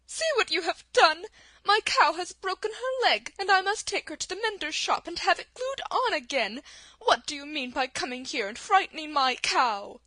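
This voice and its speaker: A woman voicing an angry little china milkmaid in a storybook reading, scolding in a high, shrill voice. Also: very animated, moderate pace, sharp tone, no room sound, full character voice.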